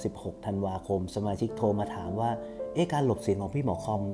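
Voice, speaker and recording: A man's voice: on the low side, fairly quick, over music. A man hosting a casual step-by-step tutorial, instructing politely and repeating steps as he goes. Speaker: tutorial host for screen reader users.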